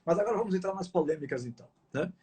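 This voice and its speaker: A man's voice: sits high, animated, very fast, mellow, slightly rough. A middle-aged man hosting a casual live interview, rambling with fillers and restarts and turning indignant at times. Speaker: host of a live sports interview.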